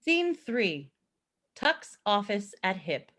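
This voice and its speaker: A woman's voice: medium pitch, big pitch swings, slow, fairly bright tone. A woman narrating scripted stage directions for a play reading.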